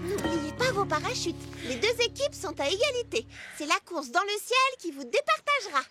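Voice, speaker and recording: A sunny little cartoon girl. Her voice is very high and animated, kind and optimistic, with loud music underneath. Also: normal speed. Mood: brisk. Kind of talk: French cartoon dub acting.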